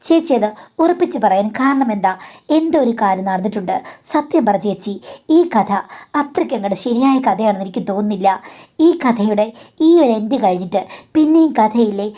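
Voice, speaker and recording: A woman's voice: medium pitch, expressive, fairly quick, dark tone. A woman telling a first-person confessional story in a confiding tone and addressing her listener as madam.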